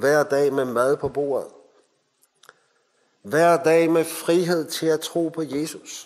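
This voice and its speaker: A man with fairly even intonation at a very slow pace. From Denmark. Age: 40s. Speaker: preacher. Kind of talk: sermon.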